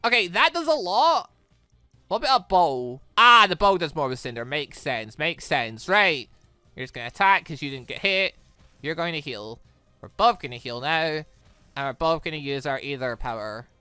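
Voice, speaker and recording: A British gamer giving excitable, rambling let's play commentary and often breaking off mid-thought. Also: mid-range voice, moderate pace, clear, resonant tone, no room sound. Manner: excitable, rambling, self-interrupting. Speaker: gaming video host. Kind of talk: let's play commentary, reading dialogue aloud. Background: game music.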